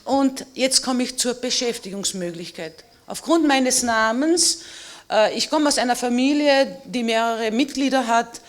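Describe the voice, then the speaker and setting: A middle-aged woman whose first language is Slovene speaks on a panel as a historian. Her voice sits fairly high, and she talks emphatically, mixing personal stories into her argument. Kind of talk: panel discussion statement.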